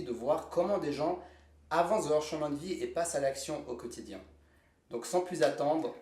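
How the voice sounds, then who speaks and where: A man's voice: a little high, mellow, recorded from a distance. A man hosting a casual interview, friendly and hesitant, with frequent fillers. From Moroccan heritage. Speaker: interviewer, channel host. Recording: roomy, off-mic, light hiss.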